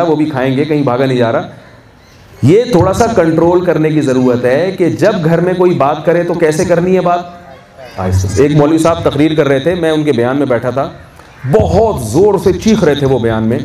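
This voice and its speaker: A man's voice: on the high side, darkish tone. A man giving a sermon to a gathering, asking his listeners questions and answering them himself. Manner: conversational, asks the audience questions and answers them. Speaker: religious scholar. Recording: echoey hall from a distance, faint noise.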